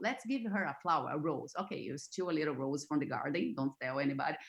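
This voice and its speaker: A woman with a Portuguese accent speaking with very wide pitch swings. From Brazil (Rio de Janeiro, Brasilia). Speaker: poet. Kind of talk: interview. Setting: video call. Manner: halting.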